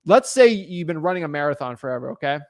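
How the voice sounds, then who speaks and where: A man's voice: a little high, big pitch swings, quick pace, no room sound, clean studio sound. A young man coaching on cold calling in a casual, rambling way, restarting and repeating himself often. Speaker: real estate wholesaling coach. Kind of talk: casual teaching monologue. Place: Florida.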